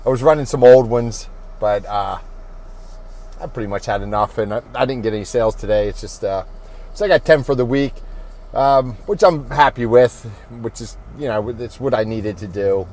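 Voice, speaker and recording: Thinking aloud haltingly and rambling a bit, a man talks his way through an informal corporate training video in the role of an insurance agent. His voice is medium-pitched and a little mellow.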